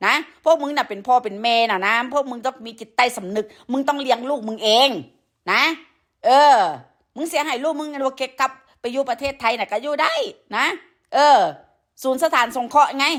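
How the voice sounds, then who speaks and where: Woman, Isan Thai accent, somewhat high voice, sore throat from a cold, profane scolding live-stream monologue. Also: moderate pace, a bit bright. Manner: crude, scolding, heavy with profanity; peppers talk with fillers. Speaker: livestreamer addressing followers.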